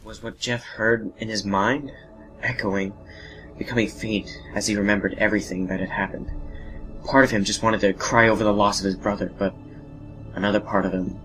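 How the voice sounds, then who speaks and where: A man narrating a scripted horror story in a measured, dramatic way, pausing between phrases. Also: fairly low pitch, fairly even intonation, fairly bright tone, low-quality recording. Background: music under the narration.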